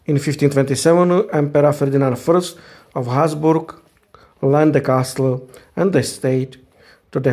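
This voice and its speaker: Calm, mellow male museum guide. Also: medium pitch, breathy edge. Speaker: tour guide narrator. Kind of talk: scripted museum-guide narration of castle history.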